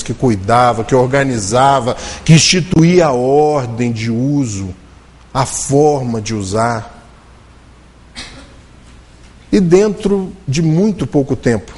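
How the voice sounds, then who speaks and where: A man giving a religious lecture at a spiritist center, telling a story and slowing his delivery to stress key words. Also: medium pitch, darkish tone. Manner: storytelling, shifts intonation and slows for emphasis. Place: spiritist center meeting room.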